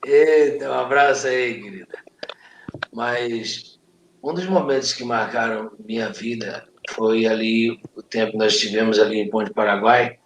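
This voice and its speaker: A man with a Brazilian accent reminiscing casually, in a halting, conversational way that often checks for agreement. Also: medium pitch. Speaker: participant in a church friends' live chat. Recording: echoey room, faint noise.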